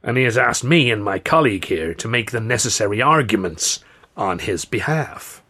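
A man voicing a hulking, slow-witted gangland thug in an audiobook, ponderous and politely threatening. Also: on the low side, lively intonation, pushed and bright. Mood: polite menace. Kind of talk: audiobook character dialogue.

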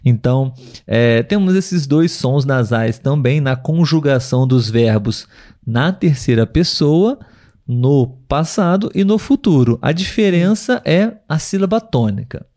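A man hosting a live podcast language lesson, speaking patiently and repeating words slowly for learners, often checking with his listeners. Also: on the high side, lively intonation, warm tone. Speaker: podcast host and language teacher.

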